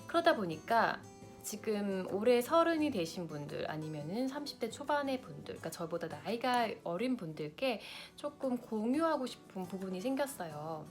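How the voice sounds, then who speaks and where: A woman's voice: mid-range voice, very animated, moderate pace. Vlogger, woman, late 30s, big-sister advice to camera, faint music under. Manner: warm big-sister advice, direct address to viewers. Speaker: lifestyle vlogger.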